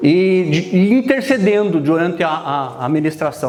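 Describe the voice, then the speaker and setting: There's audible room echo and noticeable background noise as a man with a high pitch talks with lively intonation. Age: 60s. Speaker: pastor. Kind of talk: sermon.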